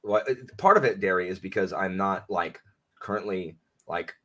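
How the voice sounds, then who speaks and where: A man's voice: low-pitched, moderate pace, fairly bright tone. A man chatting casually as a guest on a live stream, rambling and self-deprecating with lots of restarts.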